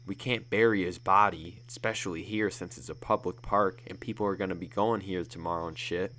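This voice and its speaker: A man voicing a calm young male gang member with a deep voice. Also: a little fast. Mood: uneasy.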